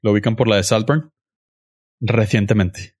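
A man's voice: on the low side, fairly even intonation, moderate pace, darkish tone, breathy edge, dry recording, clean studio sound. A young man with a Mexican accent hosting a podcast, chatting casually and insisting on his opinions in slangy terms. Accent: Mexican Spanish. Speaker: podcast host. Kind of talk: casual chat reviewing a series.

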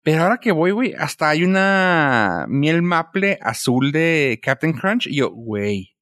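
A man with a Mexican Spanish accent chatting casually from home, animated and full of slang. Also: fairly high pitch, measured pace, dry recording, studio quality. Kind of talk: casual podcast chat. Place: home room.

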